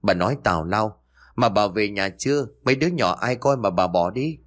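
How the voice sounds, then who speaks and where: A man's voice: lowish voice, expressive, normal speed, natural voice. A man doing a harsh, bullying husband. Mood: irritable. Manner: rude, bullying demands. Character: harsh, domineering middle-aged husband.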